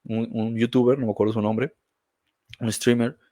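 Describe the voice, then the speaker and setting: A man's voice: mid-range voice, little pitch movement, moderate pace, warm tone, no echo, clean studio sound. A man speaking as a guest in a reflective conversation, emphatic and blunt, often restarting his sentences.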